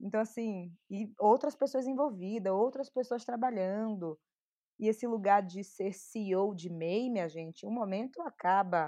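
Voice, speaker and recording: A woman's dark, mellow voice at a fairly slow pace against a quiet background. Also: medium pitch for a woman, ordinary pitch variation. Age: 20s. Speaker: entrepreneur and content creator. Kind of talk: casual chat.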